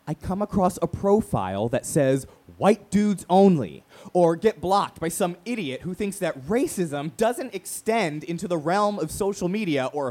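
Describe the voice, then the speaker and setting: An actor playing a brash, wounded, proud gay radio talk show host in an emphatic, profane, theatrical monologue. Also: male voice, sits high, darkish tone, full character voice.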